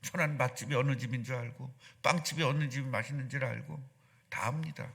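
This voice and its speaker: A middle-aged man preaching a sermon as pastor, animated and asking the congregation questions. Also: medium pitch, a little fast, vocal fry. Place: church sanctuary.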